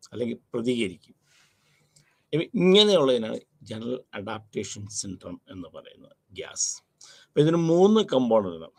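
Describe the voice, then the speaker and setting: Gravelly, husky male lecturer. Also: on the low side, darkish tone. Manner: explains by repeating terms, mixing in English phrases. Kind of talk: recorded university lecture.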